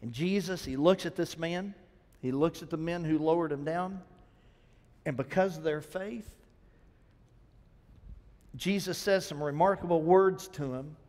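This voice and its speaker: Male pastor, animated storyteller in the pulpit, higher voice, long reverb from the sanctuary. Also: unhurried, pauses often. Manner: animated storytelling, calls on the congregation to respond. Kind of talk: sermon.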